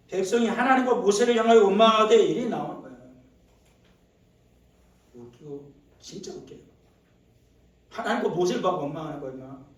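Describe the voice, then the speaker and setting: A male pastor preaching a Sunday sermon, swinging from low murmurs to loud, shouted exclamations and asking the congregation rhetorical questions. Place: church sanctuary. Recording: very echoey church hall, mic at a distance.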